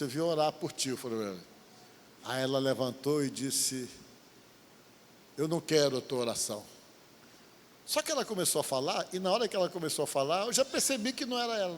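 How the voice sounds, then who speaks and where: A man's voice: on the high side, animated, fast talker. Man, pastor, sermon storytelling, long hall reverb, faint background noise. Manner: vivid storytelling, acts out quotes.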